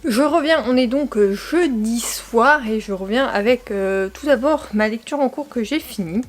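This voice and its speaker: A woman's voice: on the high side, moderate pace, roomy sound. A young French woman with a French accent, rambling through a casual book vlog with lots of fillers and restarts. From France. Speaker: book vlogger.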